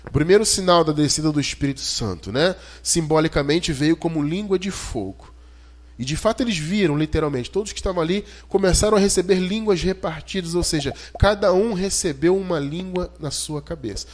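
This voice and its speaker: A man's voice: a little high, a little fast. A man with a Brazilian Portuguese accent preaching an expository sermon in an emphatic, didactic way, putting rhetorical questions to his listeners. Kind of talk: expository sermon, teaching scripture verse by verse.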